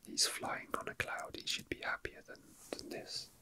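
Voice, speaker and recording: The voice is a young male ASMR host's hushed, breathy whisper, slow and faltering. He sits at an indoor tabletop and sounds like he's casually narrating while his hands stay occupied.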